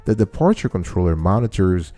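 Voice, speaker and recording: A man's voice: low voice, big pitch swings, a little fast, warm tone. A man hosting an informal explainer, teaching step by step and restating key phrases to his listeners. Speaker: show host and explainer.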